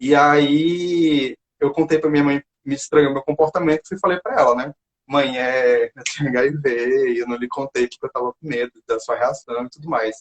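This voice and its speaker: A man with a plain, everyday voice speaks at a fairly high pitch with fairly even intonation. His pace is moderate, and his loudness swings widely. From Maranhão / Goiás, Brazil. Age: 30s. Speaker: HIV awareness youtuber, hotelier. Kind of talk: interview testimony on live stream.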